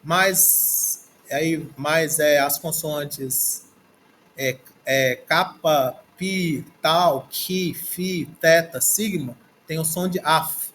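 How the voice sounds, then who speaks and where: A man with a slightly high, somewhat bright voice draws out his words, with a little hiss or hum in the background. Speaking with a Brazilian Portuguese accent from a desk in a screen recording, he leads a slow, halting textbook lesson, thinking as he reads and repeating words aloud to get them right.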